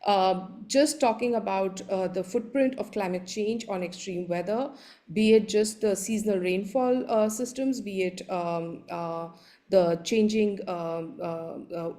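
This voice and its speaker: A woman with an Indian accent, a native Hindi speaker, giving an explanatory conference presentation in a halting way, often repeating words. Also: medium pitch, dark tone. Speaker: panelist giving a slide presentation.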